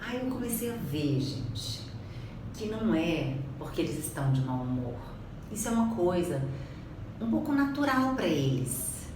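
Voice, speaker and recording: A woman from Brazil with a Brazilian Portuguese accent, a public speaking coach telling a story to viewers in a chatty, animated way. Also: on the low side, moderate pace. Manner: animated, chatty, acts out quotes. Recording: echoey room, distant mic, background noise.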